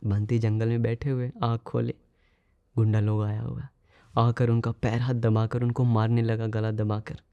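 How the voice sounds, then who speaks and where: Male monk preacher, sermon storyteller, mellow low-bright tone, dry close sound, asks listeners rhetorical questions. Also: flat delivery, normal speed, gravelly, clean tone, dry recording, dull audio.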